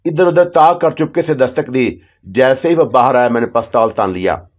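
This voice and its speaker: A man reading a first-person horror story aloud in a steady, dramatic manner. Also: medium pitch, normal speed.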